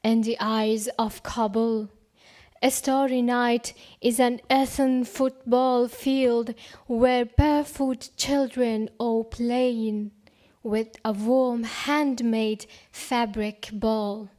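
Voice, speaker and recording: A woman reading a poem aloud at an award ceremony, slow and measured, at times hushed. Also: a little high, fairly even intonation. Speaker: poetry reader. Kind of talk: slow poetry recitation.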